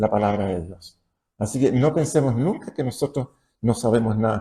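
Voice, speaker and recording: This man's voice is dark and mellow with some breathiness, and his pace is moderate. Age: 80s+. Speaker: preacher. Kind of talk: sermon.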